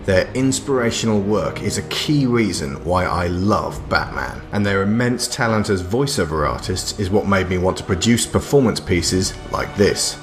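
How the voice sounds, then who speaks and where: A man's voice: deep voice, lively intonation, moderate pace, hardly any pauses, over music. Man reading a scripted dedication. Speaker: producer of the audio drama.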